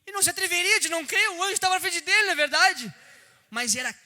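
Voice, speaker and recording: A man preaching a fervent sermon in a church, swinging from shouted peaks to low asides and crying out hallelujah. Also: very fast. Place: church service. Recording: long reverb of a church hall.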